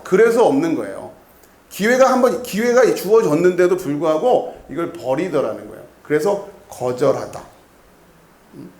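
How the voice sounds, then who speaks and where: In a roomy church sanctuary, a male pastor with a somewhat high, slightly mellow voice preaches an expository sermon conversationally. He keeps asking the congregation questions and repeats key words.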